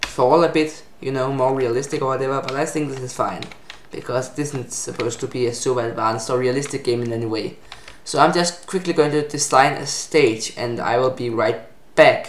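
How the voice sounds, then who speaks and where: A man's medium-pitched voice at a fairly quick pace, fairly even intonation, noticeable background noise and audible room echo. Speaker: game development tutorial maker. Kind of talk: tutorial. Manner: fast; hesitant with fillers.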